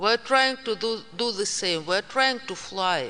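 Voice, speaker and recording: A woman with a Russian accent and lively intonation, over noticeable background noise. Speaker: poet. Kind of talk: talk to audience. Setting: stage with audience.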